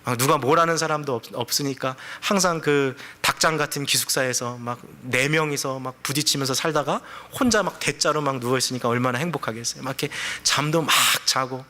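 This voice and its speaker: A man's voice: mid-range voice, brisk, few pauses, sharp tone. A male pastor giving a sermon in a conversational, storytelling way. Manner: conversational storytelling, acts out quoted voices.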